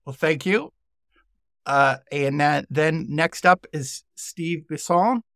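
A man hosting a podcast panel, speaking haltingly with frequent restarts. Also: on the high side, fairly bright tone, dry recording, studio quality. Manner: halting, many fillers and restarts. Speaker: podcast host.

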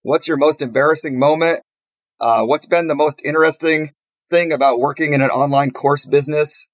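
A man's voice: on the high side, fairly even intonation, moderate pace, lo-fi sound. A man co-hosting a podcast, asking questions in a friendly, playful way. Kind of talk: casual podcast conversation.

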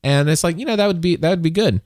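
A forty-one-year-old American man co-hosts a podcast, chatting casually with a bantering, self-deprecating manner. He talks fast in a voice on the high side with a darkish tone, recorded dry with clean studio sound.

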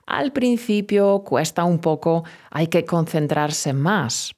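Lady from teaching vocab, lowish voice, says words slow and clear, cheers you on. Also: a little mellow. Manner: slow, careful pronunciation drills; encouraging, addresses the learner directly. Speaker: Spanish teacher. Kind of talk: scripted vocabulary lesson.

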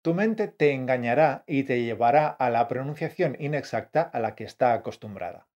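Man, podcast co-host, brisk coaching tone, slightly dull audio. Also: medium pitch, animated, noisy background. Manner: brisk, coaching, calls listener "campeón" and "fiera". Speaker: podcast co-host, Spanish teacher. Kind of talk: scripted teaching podcast.

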